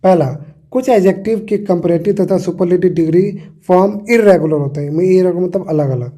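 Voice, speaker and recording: High, mellow-voiced male grammar teacher. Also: fairly quick. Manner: patient, repeats points and spells out examples, frequent "uh" fillers. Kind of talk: casual explanatory lesson.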